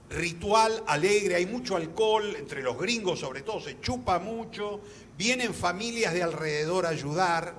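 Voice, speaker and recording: Bright-voiced Argentine man in an echoey hall. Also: fairly high pitch. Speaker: guest speaker. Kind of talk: public conversation, recounting. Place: public talk room in a library. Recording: echoey hall, faint noise.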